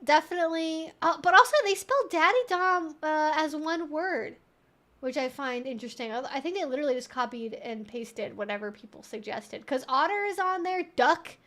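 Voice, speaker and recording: High-pitched, playful woman hosting a livestream. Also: moderate pace, a bit bright. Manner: playful, wry, mock-serious; giggles often while talking. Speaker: livestream host. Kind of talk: casual livestream chat, answering viewers.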